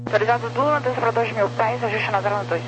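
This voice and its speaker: A woman's voice: a little high, steady tone, fast. A woman working as an air traffic controller, giving procedural instructions over aviation radio. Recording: very noisy humming radio transmission.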